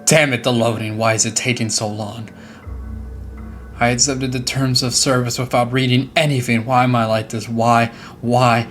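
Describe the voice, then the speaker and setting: A man's voice: medium pitch, little pitch movement, moderate pace, a bit bright, natural voice. A man voicing an anxious, frustrated young computer user in a dramatic horror-story reading, questioning himself emphatically, with music behind. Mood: panicked, self-blaming. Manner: agitated self-questioning, emphatic.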